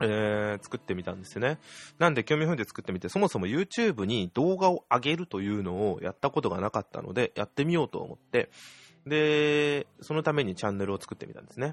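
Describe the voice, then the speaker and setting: Big jumps in volume and very wide pitch swings at a fairly quick pace, the sound dry and close with no echo over a quiet background. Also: man, medium pitch for a man. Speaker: podcaster. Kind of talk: solo casual talk.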